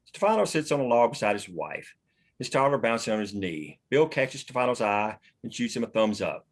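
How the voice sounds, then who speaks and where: A man reading scripted screen directions as the narrator of a table read. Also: fairly low pitch.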